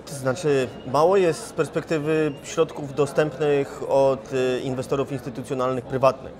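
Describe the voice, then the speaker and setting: A man's voice: medium pitch, little pitch movement. Man in his forties over a conference crowd. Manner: measured, with frequent restarts and fillers. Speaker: investment firm chief executive. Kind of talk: interview answers. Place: conference hall in front of a sponsor wall. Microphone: lapel mic. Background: crowd chatter.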